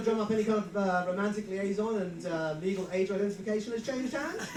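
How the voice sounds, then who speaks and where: Against noticeable background noise and audible room echo, a man with a high pitch speaks with ordinary pitch variation. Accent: English. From England. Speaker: comedy show host. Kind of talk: stand-up.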